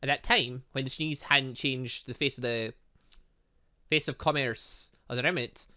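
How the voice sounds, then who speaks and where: A man's voice: mid-range voice, fairly even intonation, normal speed, bright, forceful tone. Professor Peach, an eager scholarly woman read by a man. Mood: brisk. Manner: reading dialogue aloud in a light put-on voice. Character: female professor, brisk, scholarly, enthusiastic about science.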